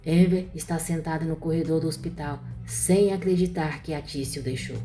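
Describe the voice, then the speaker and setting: A woman narrating a soap-opera recap in an even storytelling manner. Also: deep voice, moderate pace, faint music behind.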